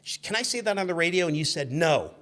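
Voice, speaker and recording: Male radio-show guest, 50s, higher voice, animated and sweary casual storyteller who stumbles over his phrasing. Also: fast talker. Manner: animated, profane, stumbling as he tells stories.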